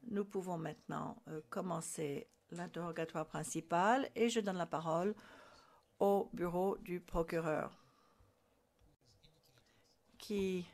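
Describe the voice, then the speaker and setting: A woman giving a formal courtroom interpretation of procedural rulings, in a measured way with frequent hesitations. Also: fairly low pitch, creaky, a little mellow.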